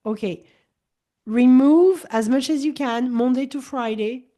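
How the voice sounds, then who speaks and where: A woman's voice: sits high, measured pace. A woman in her forties, a native French speaker, talking as a wellness coach host in a casual conversation and often acting out quoted dialogue. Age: 40s. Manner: animated, repeats words and restarts, acts out quoted dialogue.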